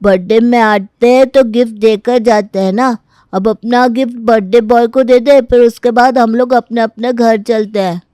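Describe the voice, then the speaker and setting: A woman's voice: fairly high pitch, steady tone, normal speed, warm tone, no room sound, studio quality, lightly acted. A woman voicing a chatty older boy in a storybook tale, explaining things in a telling-on tone. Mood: bossy.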